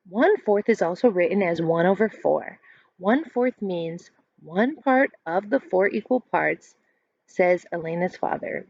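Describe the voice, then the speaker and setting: A woman in her thirties reading a children's book aloud like a teacher, expressive and instructive, pausing to explain. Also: mid-range voice, gravelly, slightly rough. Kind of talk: read-aloud storytelling with explanations. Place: small furnished room indoors at home. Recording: dull lo-fi webcam sound.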